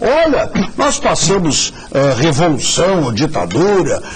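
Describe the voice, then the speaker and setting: Very slow speech with audible room echo and music in the background. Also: man. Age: 60s. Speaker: TV debate panelist, professor. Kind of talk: televised panel debate.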